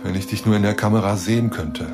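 An actor playing a lonely, lovestruck but mistrustful astronomer in a German radio drama, speaking earnestly in short plain sentences. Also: male voice, fairly low pitch, fairly even intonation, quick pace, natural voice. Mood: wistful, longing. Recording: music behind the voice.

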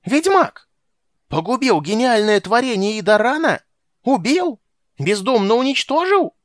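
A man voicing a cranky old male sorcerer who shouts and scolds in a shrill, petulant voice. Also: huge pitch swings, normal speed, no echo, studio quality. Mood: ranting.

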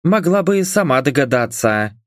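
A man voicing a brisk, wry young female lawyer in a storybook. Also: a little high, big pitch swings, dry recording, studio quality.

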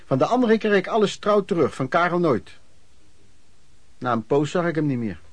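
A man's voice: fairly high pitch, big pitch swings, moderate pace, no room sound. An actor playing a former street peddler who frankly recounts his youth as radio play narration, in a conversational way. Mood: reflective. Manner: conversational storytelling.

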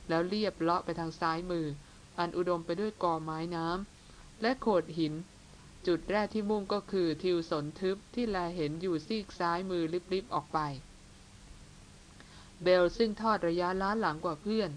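A woman narrating a novel in a steady, measured reading. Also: lowish voice, slight background noise, rough recording. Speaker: audiobook narrator.

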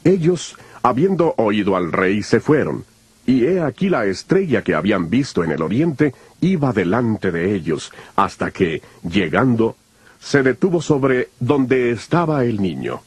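A man narrating scripture from a script in a solemn, measured storytelling manner. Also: mid-range voice, sing-song, a little mellow, breathy edge, no room sound. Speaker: Bible narrator.

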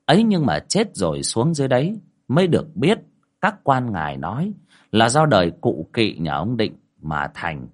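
A man's voice: medium pitch, wildly swooping pitch, moderate pace. A man narrating a ghost story in a dramatic manner, voicing the characters' dialogue.

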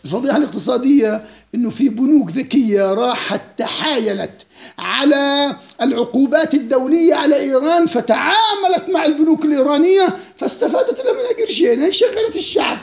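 A man's voice: extremely high pitch, lively intonation, fast, vocal fry, roomy sound. A man giving an informal lecture, mocking and laughing often and quizzing his listeners. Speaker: lecturer leading a book discussion.

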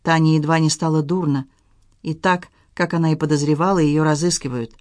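A narrator reading a novel aloud in an even, measured storytelling manner. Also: medium pitch, no room sound, clean studio sound.

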